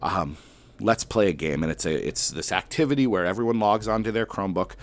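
Deep-voiced man telling a lively story. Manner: animated, with sudden loud bursts and slow dramatic drops. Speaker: elementary school teacher. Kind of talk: personal story told to an audience.

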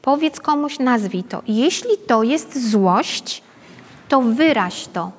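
A woman's voice: a little high, expressive, takes it slowly, a little hiss or hum. A woman, a pedagogue, giving an informal workshop talk to a group, chatty and often checking in with her listeners through tag questions. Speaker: pedagogue leading a parenting workshop. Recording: long reverb from a hall.

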